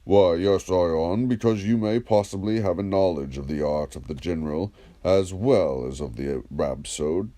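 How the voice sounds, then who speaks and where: Reading the part of a probing, ironic, and patient philosopher in a dramatised dialogue, a man speaks in a measured, declamatory way full of questions. His voice is low and dark.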